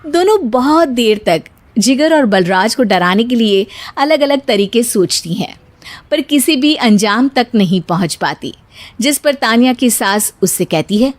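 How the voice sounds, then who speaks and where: A woman giving scripted narration for a cartoon story, steady storytelling. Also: fairly high pitch, unhurried, dry recording.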